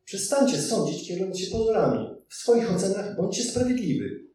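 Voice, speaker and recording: A man's voice: sits high, big pitch swings, normal speed, warm tone, voice pushed up. A man reading aloud the words of a man teaching a crowd, with emphatic, rising declamation. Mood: solemn. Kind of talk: read-aloud scripture quotation. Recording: very echoey, distant mic.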